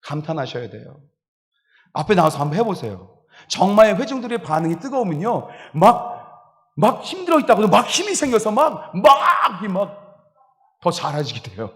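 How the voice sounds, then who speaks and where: A male pastor preaching a sermon, lively and animated, acting out exclamations and laughing along as he speaks. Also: high-pitched, normal speed. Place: church sanctuary. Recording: reverberant church hall.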